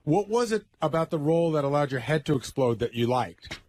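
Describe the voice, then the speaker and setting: A man speaking quickly in a somewhat high voice, questioning someone on talk radio. There is faint noise behind him. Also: expressive, a little mellow.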